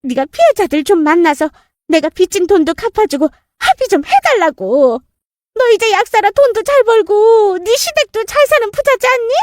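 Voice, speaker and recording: A scheming middle-aged stepmother, played by a woman storyteller, with a piercing high voice that leaps up and down. She sounds brazen and mocking, a con artist from a spoken drama story, close and dry. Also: dry recording. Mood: shrill pleading. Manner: brazen, mocking, then shrill pleading.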